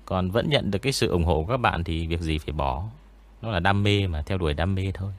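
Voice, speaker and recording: Deep-voiced man, eerie tone. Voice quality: eerie, spooky-sounding voice. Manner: relaxed, rambling, with frequent pauses. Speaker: ghost story narrator and studio owner. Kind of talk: casual interview chat.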